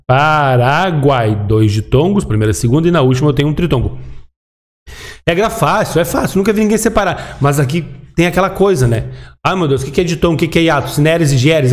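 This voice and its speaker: A man's voice: fairly high pitch, a little mellow. Upbeat male grammar teacher. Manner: explanatory, checks in often with "tá?". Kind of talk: recorded grammar lesson.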